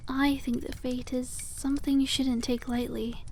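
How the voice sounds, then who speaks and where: A woman voicing a cute, kindly witch shopkeeper in an ASMR roleplay, speaking softly and teasingly with old-fashioned courtesy. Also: high voice, little pitch movement, moderate pace, a little hiss or hum. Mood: gentle, attentive. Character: cute, coy, kindly witch selling dragon eggs. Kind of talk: ASMR roleplay, scripted and addressed to listener.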